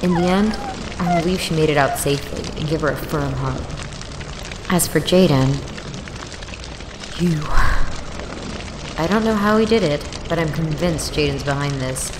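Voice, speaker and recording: A woman's voice: low-pitched, moderate pace, long pauses, long reverb tail, noisy background, close to an everyday voice. An actress playing a sarcastic, exasperated young college student who narrates her own story in an audio drama, wry and self-deprecating. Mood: wry, stunned, then exasperated, angry. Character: snarky, exasperated 24-year-old woman, broke college student. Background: music.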